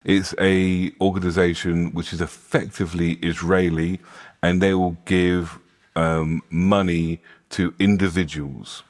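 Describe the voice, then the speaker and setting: A British man, an English teacher, discussing current affairs casually in a measured, explanatory way with careful phrasing. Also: low-pitched, flat delivery. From Britain. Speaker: English teacher and conversation co-host.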